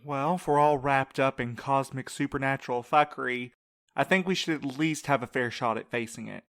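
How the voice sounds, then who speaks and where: A man's voice: mid-range voice, moderate pace, fairly bright tone, no echo, studio quality, close to an everyday voice. A man playing a plain-spoken, level-headed courier in an audio drama, casual and wry. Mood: wry, challenging. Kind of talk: audio fiction acting.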